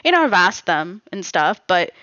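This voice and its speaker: A woman's voice: lowish voice, very animated, normal speed, sharp tone, no room sound, dull audio. A woman in a casual interview, talking reflectively about her family and peppering her speech with "you know" and "like.". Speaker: guest. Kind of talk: casual personal conversation.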